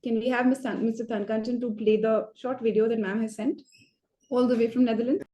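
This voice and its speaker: Casting: higher-voiced woman emcee, formal and measured, echoey room. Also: fairly even intonation, warm tone, highs cut off. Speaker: awards ceremony host. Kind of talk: reading formal introductions.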